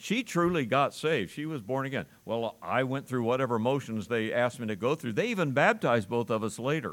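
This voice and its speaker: A man speaks in a plain, everyday voice at medium pitch, fairly quickly and with lively intonation. The recording is very clean, with a silent background. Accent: American. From US Midwest, Ohio. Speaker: pastor. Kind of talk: sermon. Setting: church.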